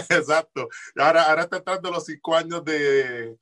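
A man's voice: fairly high pitch, moderate pace, a bit bright. A man from Puerto Rico with a Puerto Rican accent, a musician guest chatting casually, jokey and slangy, dropping in English words. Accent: Puerto Rican Spanish. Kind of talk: casual chat.

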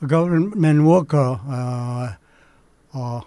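Man, 80s, Korean accent. Halting, filler-heavy interview answers, unhurried, close and dry. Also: medium pitch, mellow, clean tone, no room sound. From Manchuria. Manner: slow and hesitant, many pauses and fillers. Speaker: interview guest. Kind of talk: oral history interview.

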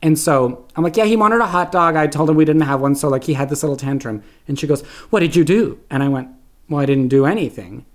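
A man's voice: fairly high pitch, lively intonation, fast talker. A young man from Canada telling stories in casual podcast chat, peppering his speech with "like". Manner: chatty storyteller, constant "like". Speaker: podcast guest.

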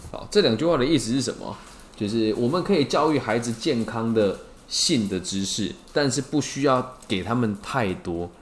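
A man's voice: normal speed, echoey room, slight background noise. A man with a Taiwanese Mandarin accent hosting a casual podcast, telling stories animatedly and often checking with listeners. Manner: animated storytelling, acts out quotes with big pitch jumps; frequent checking questions to listeners. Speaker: podcast host. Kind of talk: casual podcast talk on a book.

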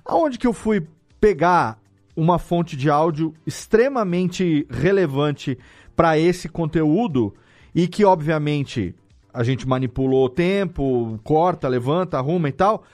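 A Brazilian man with a fairly high voice talks as a podcast host. He explains in an informal, conversational way, often repeating words, with music behind him. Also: lively intonation, unhurried, a little mellow. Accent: Brazilian Portuguese. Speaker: podcast host and audio drama editor.

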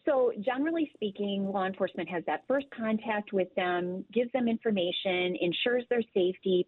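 Mulher explicativa em linha abafada. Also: female voice, mid-range voice, dry recording. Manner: measured, informative, with fillers. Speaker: victim services professional guest. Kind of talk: explanatory interview answer. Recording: dry tinny call audio.

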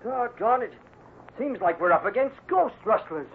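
An actor playing an earnest cowboy ranch hand with plain, folksy talk in a 1950s radio Western. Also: male voice, high-pitched, lively intonation, normal speed. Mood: puzzled, earnest. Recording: tinny, noisy old radio recording.

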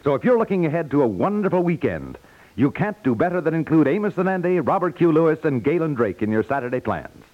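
A man's voice: a little high, very animated, quick pace, a little hiss or hum. A man with an American accent reading scripted 1950s network radio announcements in a polished, upbeat sales delivery. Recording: dull lo-fi 1950s radio recording.

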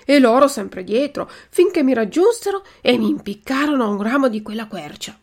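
Woman voicing an excitable puppet boy, higher and louder than her narration, eager storybook hero. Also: normal speed. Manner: eager, exclaiming.

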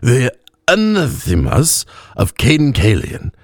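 A man voicing an earnest, drunken old elf cleric with slurred, halting speech and an invented elvish accent. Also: medium pitch, huge pitch swings, no echo, studio quality, voice pushed up, full character voice. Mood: earnest, tipsy. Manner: halting, stumbling over words. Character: drunken two-hundred-year-old male elf cleric, earnest, rambling.

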